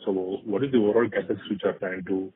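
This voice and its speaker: Deep, husky Indian man on the phone. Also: fairly even intonation, quick pace. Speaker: analyst asking questions. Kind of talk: earnings call questioning. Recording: narrow telephone conference line.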